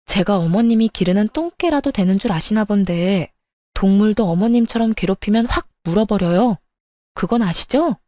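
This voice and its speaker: A woman's voice: mid-range voice, normal speed, dry recording, lightly acted. A woman playing a fed-up young wife who talks back sharply to her in-laws, in a story radio drama. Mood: defiant. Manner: sharp, retorting.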